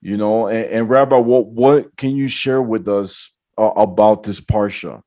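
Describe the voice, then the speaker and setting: A man's voice: fairly low pitch, a little slow, dark tone, highs cut off. A man hosting a podcast, asking questions in a friendly, enthusiastic way. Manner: enthusiastic, repeats his praise. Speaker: podcast host. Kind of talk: casual interview questions.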